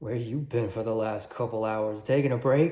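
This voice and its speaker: A man puts on a raspy character voice at a medium pitch. He keeps a moderate pace and fairly even intonation. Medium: read story. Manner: dry, laid-back.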